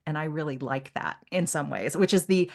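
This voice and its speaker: A woman co-hosting a podcast, talking casually about literature and slipping into imagined quotes in an animated, conversational way. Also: low-pitched, a little fast, gravelly. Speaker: podcast co-host.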